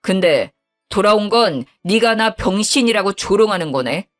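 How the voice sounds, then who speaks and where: A woman voicing an angry young husband who scolds bluntly in a lowered voice. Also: animated, moderate pace, soft background music, close to an everyday voice.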